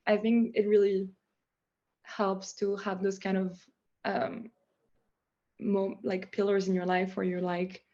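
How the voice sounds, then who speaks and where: A young adult woman from France, speaking with a French accent, chats animatedly as a guest in a casual interview about the business she founded, using "like" as a filler constantly. Her voice is mid-range with a slow pace and long pauses, and the audio sounds dull.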